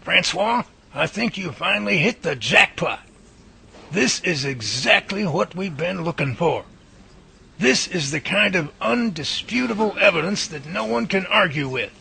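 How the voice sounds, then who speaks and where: A man's voice: high-pitched, animated, measured pace, gravelly, pushed and bright, husky, full character voice. A man playing a folksy, confident research professor in a radio drama, explaining things and taking charge. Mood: amazed. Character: folksy, confident professor leading Bigfoot research, good-humored.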